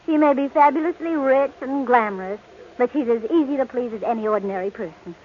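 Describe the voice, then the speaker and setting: A woman's voice: sits high, fast talker, natural voice. An actress playing an ardent, lovestruck young woman in an old melodramatic radio play. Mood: adoring. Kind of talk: 1940s American radio drama acting. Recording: noisy, muffled old radio recording.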